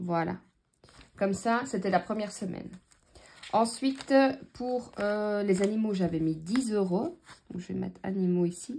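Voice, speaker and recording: This woman's medium-pitched voice has a dark, mellow, somewhat breathy tone and ordinary pitch variation, moving at a fairly slow pace with long, frequent pauses. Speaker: budgeting vlogger. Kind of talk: casual tutorial vlog. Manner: mumbles words.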